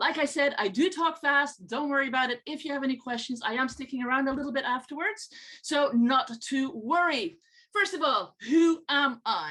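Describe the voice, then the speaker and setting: This woman projects a raised voice at a high pitch, its tone bright and sharp, with ordinary pitch variation. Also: moderate pace. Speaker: business growth coach. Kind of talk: webinar training presentation. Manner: energetic.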